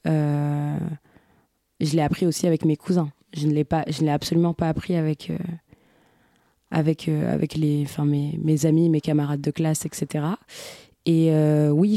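A young woman from Algeria speaks haltingly, stopping often and restarting her sentences. Her voice is mellow and stays fairly flat in pitch. The recording is close and dry. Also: no room sound. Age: young adult. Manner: hesitant, many fillers and restarts. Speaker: guest. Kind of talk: casual interview answers.

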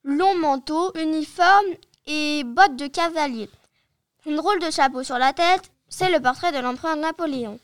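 Woman reading a children's story, high voice. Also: moderate pace, no room sound, clean studio sound. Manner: lively, expressive storybook reading.

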